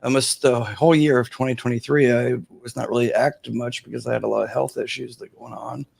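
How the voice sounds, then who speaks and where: Laid-back gravelly man hosting a livestream. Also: medium pitch, fairly even intonation, fairly quick, darkish tone. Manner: laid-back and rambling, leans on "you know". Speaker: livestream host. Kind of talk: casual livestream chat.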